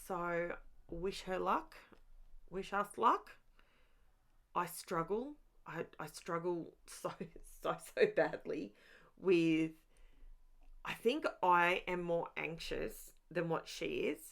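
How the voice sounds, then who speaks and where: A middle-aged woman hosts a crafting channel, chatting through a voiceover recorded on a voiceover mic. Her voice is low, gravelly and fairly bright, and she takes it slowly, rambling in a self-aware way and talking straight to her viewers.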